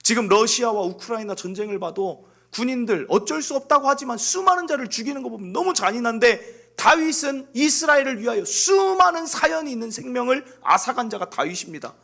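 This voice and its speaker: A male pastor preaching from the pulpit of a church, his voice set high for a man and leaping up and down with great liveliness. He talks earnestly and confessionally, pushing some phrases out loud and letting others drop to a near whisper. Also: sing-song, fairly quick, creaky, hardly any pauses. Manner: dramatic delivery swinging from loud emphasis to hushed, near-whispered lines. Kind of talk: sermon.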